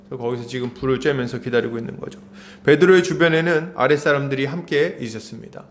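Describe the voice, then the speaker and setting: A male pastor preaching a sermon, retelling a story vividly and acting out its scenes. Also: on the high side. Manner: lively storytelling, acts out scenes and quotes.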